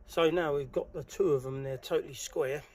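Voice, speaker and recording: A man's voice: fairly high pitch, steady tone, moderate pace, darkish tone. A man presenting a hands-on DIY tutorial in an informal way, talking as he works. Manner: informal, talking while working. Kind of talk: casual hands-on tutorial narration. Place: outdoors in a garden for part of it. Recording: noisy, clicks and handling sounds.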